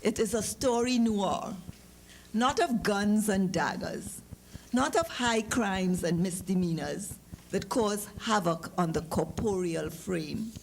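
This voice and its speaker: A middle-aged woman with a Trinidadian accent reads a literary story to an audience, with informal asides and measured, deliberate phrasing. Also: mid-range voice, vocal fry, poor audio. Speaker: author giving a public reading. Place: live lecture event. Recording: noticeable background noise, clicks.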